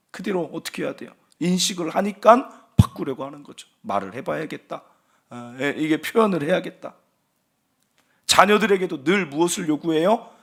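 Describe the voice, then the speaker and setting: A male pastor preaching a sermon, telling stories with acted quotes and moving between loud emphasis and hushed asides. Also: sits high, gravelly, slightly rough. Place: church sanctuary.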